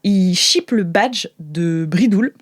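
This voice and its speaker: A woman's voice: on the low side, expressive, takes it slowly. A woman acting as game master, narrating an improvised tabletop game in an informal, theatrical way.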